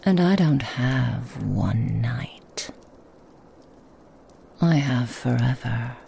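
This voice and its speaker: A woman voicing a seductive, possessive female Krampus demon in a whispered ASMR roleplay, teasing and mocking in an intimate hush. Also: extremely low pitch, very slow, creaky, breathy edge, heavily acted. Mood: menacing.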